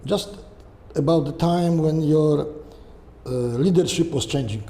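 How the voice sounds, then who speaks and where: An older Polish-accented man answers questions in a halting, searching way, checking in with "right?" as he goes. His voice sits a little high, yet it sounds soft and mellow. The room rings with a long reverb over a faint hiss. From Poland. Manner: halting, often tagging "okay?" and "right?". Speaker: guest. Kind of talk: conversational interview answers.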